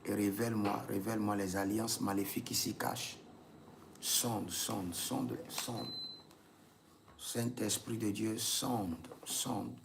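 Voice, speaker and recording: A man's voice: lowish voice, steady tone, slow, creaky, noisy background. A man, a prophet leading a live prayer session, repeating intense commands and breaking into tongues.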